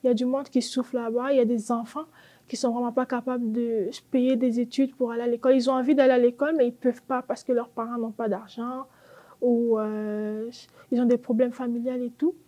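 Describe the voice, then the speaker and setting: Young woman from Congo, eighteen, earnest, mellow and monotone, faint music behind. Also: a little high, fairly quick. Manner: earnest, grateful. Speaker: interviewee. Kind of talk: documentary testimony.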